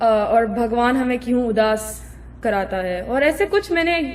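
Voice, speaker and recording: Noticeable background noise sits behind a woman's high-pitched voice. Her pitch swings very widely. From USA, Indian Brahmin family. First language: not Hindi (Hindi is third language) (speaking Hindi). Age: 20s. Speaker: convert giving testimony. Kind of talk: testimony. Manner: halting, many fillers.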